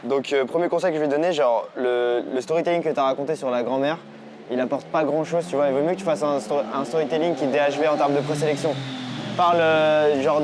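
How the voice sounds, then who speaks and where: A man working as a dating coach, giving energetic, slangy coaching commentary out on a city street. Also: on the high side, background noise. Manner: energetic, casual slangy talk.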